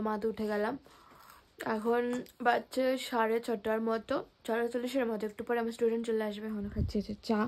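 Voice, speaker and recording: Young Bengali woman, vlogger, speaking low and soft at home, faint background hum. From India. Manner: speaks softly at night, half whispering. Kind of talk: casual vlog chat.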